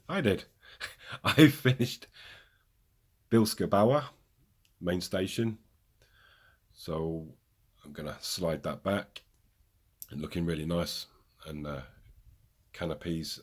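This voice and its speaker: Low-pitched, husky and darkish in tone, a man casually walks through his model railway progress in a hobby room, recorded on a camera mic. He's chatty and self-mocking, with plenty of rambling asides.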